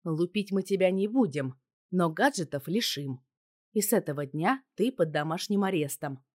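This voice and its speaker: A woman's voice: on the low side, animated, moderate pace, darkish tone. A woman voicing a stern, angry father who lectures his teenage daughter. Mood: lecturing.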